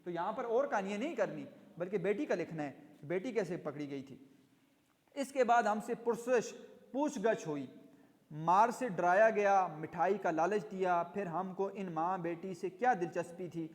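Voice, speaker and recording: A male teacher reading a story aloud and explaining it line by line, glossing hard words as he goes. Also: sits high. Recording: long reverb in an echoey room.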